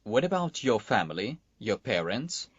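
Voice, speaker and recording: A man's voice: fairly low pitch, moderate pace, husky, no echo. A man playing a polite magazine interviewer in a scripted listening-exam dialogue. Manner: polite, lively questioning. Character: male magazine interviewer, courteous. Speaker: interviewer in a textbook listening recording. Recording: dull lo-fi recording played in class.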